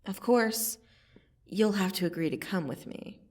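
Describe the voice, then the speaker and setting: A woman playing a menacing yet softening vampire assassin in an ASMR roleplay, intimate and deliberate, often slipping into a breathy whisper. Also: mid-range voice, recorded from a distance, natural voice. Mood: softening, earnest. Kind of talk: ASMR roleplay, scripted dramatic monologue.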